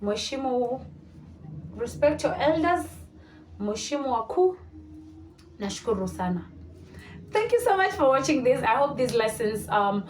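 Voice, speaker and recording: A woman's voice: high-pitched, big pitch swings, a little slow, pauses often, recorded from a distance, slight background noise. A woman in her thirties chatting to camera as a vlogger, repeating her points and slipping into Swahili. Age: 30s. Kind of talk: casual talk to camera. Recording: roomy sound, voice a little off mic.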